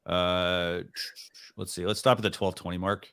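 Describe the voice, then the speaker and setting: A man's voice: deep voice, flat delivery, moderate pace, fairly bright tone, clean tone. A man co-hosting a live stream, chatting casually in a rambling way with lots of restarts. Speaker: co-host of a live stream show.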